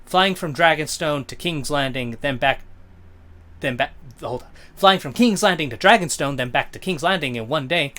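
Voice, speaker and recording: A man with a slightly high voice recaps episode scenes in a relaxed podcast chat. He thinks out loud and corrects himself mid-sentence. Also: moderate pace. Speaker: podcast co-host. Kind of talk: casual chat.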